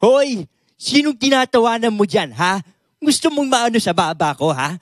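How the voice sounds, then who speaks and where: A loud, taunting tough guy, put on by a young man, pitched very high and swinging up and down. The sound is dry and close. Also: big pitch swings, normal speed, dry recording. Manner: taunting, confrontational.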